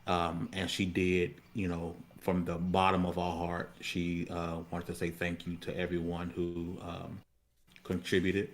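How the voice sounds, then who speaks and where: A man with a low voice and a fairly flat delivery hosts a livestream in grief. He speaks haltingly and quietly from the heart, subdued throughout. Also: a little hiss or hum. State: grieving. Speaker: show host.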